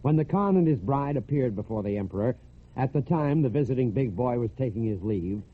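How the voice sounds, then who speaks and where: An American man hosting a military radio programme, narrating scripted human-interest stories in a folksy, conversational way. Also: mid-range voice. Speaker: radio host and storyteller. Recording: narrow, tinny old radio recording.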